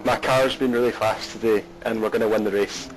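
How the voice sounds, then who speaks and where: A man's voice: lowish voice, steady tone, a little fast, slight background noise, rough recording. A Scottish man commentating an online race and chatting with a guest, rambling with fillers and restarts. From Scotland. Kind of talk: live race commentary and interview.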